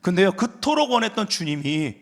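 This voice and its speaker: Pastor guy preaching, swings his pitch all over, explains verses then gets fired up. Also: sing-song, a little fast. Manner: expository preaching, rising to fervent emphasis. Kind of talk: sermon.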